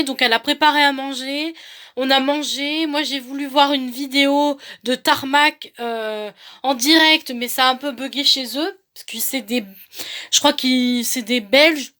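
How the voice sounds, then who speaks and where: High-voiced young woman vlogging. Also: a bit bright. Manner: rambling, repetitive, hesitant phrasing. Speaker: book vlogger. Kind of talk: casual vlog monologue.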